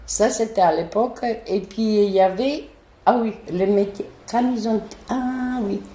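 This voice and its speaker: A woman with a foreign accent, telling a personal story in an animated, hesitant way, full of restarts. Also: medium pitch, a little slow. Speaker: interviewee, neighbourhood resident. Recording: roomy echo.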